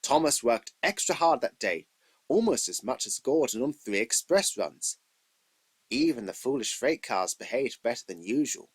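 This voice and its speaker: A man's voice: mid-range voice, big pitch swings, normal speed, slightly rough. A man reading scripted narration for a children's train story as its storyteller.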